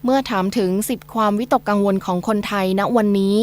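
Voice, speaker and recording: A woman's voice: mid-range voice, fairly quick. A woman reading scripted news as a radio newsreader.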